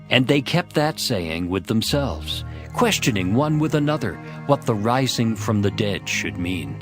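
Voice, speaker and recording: A man narrating scripture as a dramatized story, in a measured and expressive storytelling manner. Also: on the low side. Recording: music behind the voice. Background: music.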